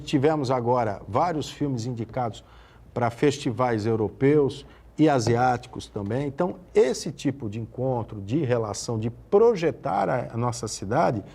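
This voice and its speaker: Gravelly, husky man talking up his city. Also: medium pitch, a little mellow. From Santos, Brazil. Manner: passionate, builds to emphatic lists. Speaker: city official guest. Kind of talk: TV talk show discussion.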